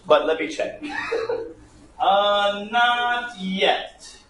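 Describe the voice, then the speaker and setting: A man's voice: high voice, expressive, normal speed, a bit bright. A man teaching a live writing class, thinking aloud and putting playful, teasing questions to his students. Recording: echoey room with faint background noise.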